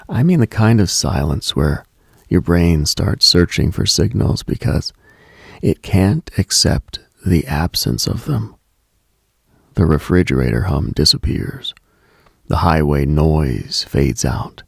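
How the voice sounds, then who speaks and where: A man hosting a late-night mystical radio show, delivering a hushed, solemn, dramatic monologue with deliberate pauses in a gravelly, husky voice. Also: low voice, no room sound, clean studio sound. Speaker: radio host.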